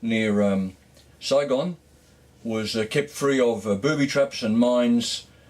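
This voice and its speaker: A man's voice with an Australian accent, a fairly slow pace and ordinary pitch variation. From Australia (born in Scotland, moved as toddler). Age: 60s. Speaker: navy veteran. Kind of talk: interview. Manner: halting, with many fillers.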